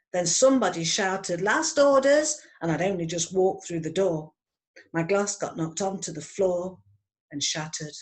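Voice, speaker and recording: A woman's voice: lowish voice, darkish tone. A woman in her fifties reading her own punning poem aloud with a wry delivery, over an online call. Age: 50s. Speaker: poet. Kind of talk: poetry reading. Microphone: online video call.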